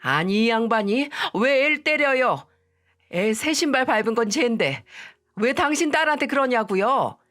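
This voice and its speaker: A woman playing indignant mother-in-law, sharp, protesting, raised pitch, faint music. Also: animated, moderate pace.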